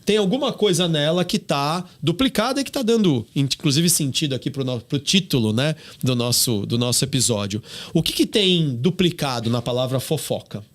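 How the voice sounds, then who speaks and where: A man's voice: on the high side, lively intonation, moderate pace. A man with a Brazilian Portuguese accent, speaking emphatically as a guest on a podcast and asking rhetorical questions. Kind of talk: podcast discussion.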